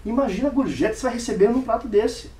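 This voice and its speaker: A man's voice: extremely high pitch, racing. A man giving a storytelling speech at a club meeting, acting out the dialogue in different voices. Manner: animated, acts out dialogue in varied voices. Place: meeting room. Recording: echoey room from far off.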